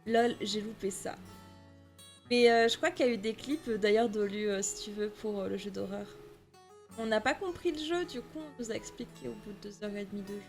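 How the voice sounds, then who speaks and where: A woman's voice: medium pitch, brisk, faint music behind. A young woman streamer in casual let's-play chat, playful and teasing as she plays. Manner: playful, teasing, jumps between chat and game.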